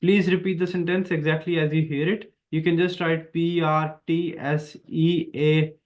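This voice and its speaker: A man's voice: on the high side, flat delivery, moderate pace. A man with an Indian accent, an exam prep teacher explaining test tasks in an online lesson, speaking emphatically and repeating his key points. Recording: dull lo-fi sound.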